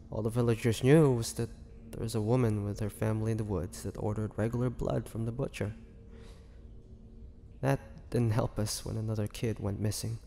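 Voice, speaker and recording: Brooding male half-vampire, acted by a man for audio roleplay: gravelly, confiding, halting, with long hall reverb and faint noise. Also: fairly low pitch, dark tone. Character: melancholy male half-vampire confiding his tragic past. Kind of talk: slow dramatic monologue, audio roleplay.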